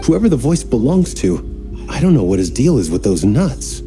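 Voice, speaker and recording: An earnest young temple member in a video game, with a very soft, mellow tone and lively swings of pitch. He is wordy and formal, easily flustered and quick to apologize, with music playing behind him. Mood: earnest, troubled.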